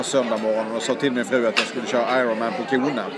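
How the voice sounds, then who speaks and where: Against crowd noise and audible room echo, a man talks very fast at medium pitch with fairly even intonation. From southern Sweden, Landskrona (Skåne). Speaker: IT executive and triathlete. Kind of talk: casual chat. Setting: restaurant.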